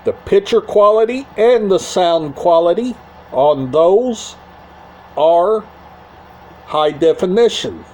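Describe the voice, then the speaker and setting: Slow, high-pitched man with halting delivery. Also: expressive, a little mellow. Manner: repetitive, halting short phrases. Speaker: YouTube channel host. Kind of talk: casual talk to camera about a media collection.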